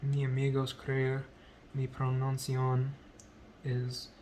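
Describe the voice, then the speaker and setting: A man with English as his first language talks haltingly through a language-practice vlog. He speaks at a very slow, even pace with a flat, unvarying pitch. He fills gaps with ums and corrects himself often, over a faint hiss of background noise. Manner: hesitant, many ums and self-corrections. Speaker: language learner vlogger. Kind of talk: halting unscripted speech practice.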